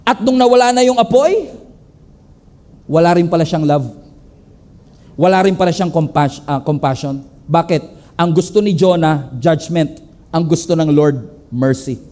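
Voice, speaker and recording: A male pastor with a Filipino accent delivers a lively sermon in a fairly high voice. He moves freely between English and Tagalog and acts out the characters in his story as he preaches. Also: a little slow, pauses often.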